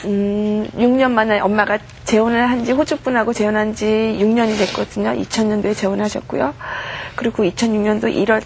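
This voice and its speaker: A woman's voice: mid-range voice, fairly even intonation, a little fast, gravelly, hardly any pauses, slight background noise. A middle-aged woman giving a heartfelt testimony as a guest on a Christian talk show, telling her story earnestly. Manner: earnest storytelling, acts out quoted prayers and dialogue.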